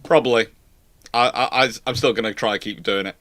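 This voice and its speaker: Bright-voiced man hosting a casual livestream. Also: mid-range voice, fairly even intonation, brisk, a little hiss or hum. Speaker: host of a live question-and-answer stream. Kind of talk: casual live panel chat.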